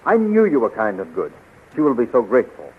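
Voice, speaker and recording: An actor playing an earnest, chivalrous young space hero, polite and sincere, in 1930s radio style. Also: male voice, mid-range voice, huge pitch swings, fairly quick, husky. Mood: earnest, pleading. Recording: tinny, faintly noisy 1930s radio recording.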